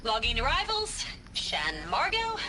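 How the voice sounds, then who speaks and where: An actress in her thirties playing a dry, wry scientist who makes deadpan complaints. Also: high-pitched, measured pace, noisy background, full character voice. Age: 30s.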